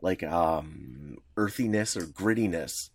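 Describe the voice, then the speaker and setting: A man co-hosting a casual podcast, explaining in a rambling, halting way full of restarts. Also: deep voice, expressive, slightly rough. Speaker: podcast co-host.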